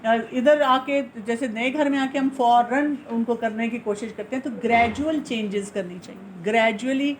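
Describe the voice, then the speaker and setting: A woman with a high voice gives instructive advice, earnest and patient. She poses questions and answers them herself, slipping English phrases into her talk. A faint background noise sits under the recording. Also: hardly any pauses. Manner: explains by asking and answering her own questions. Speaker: family counselor.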